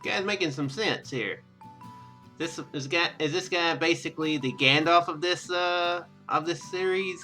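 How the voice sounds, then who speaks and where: A man giving casual gameplay commentary in a halting, rambling, self-deprecating way. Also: on the high side, bright, forceful tone, faint music behind. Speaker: let's player. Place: indoor room at home.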